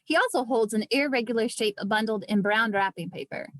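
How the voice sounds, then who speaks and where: A woman reading screenplay stage directions as scripted narration, with vivid, deliberate storytelling. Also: fairly high pitch, fairly bright tone, dry recording.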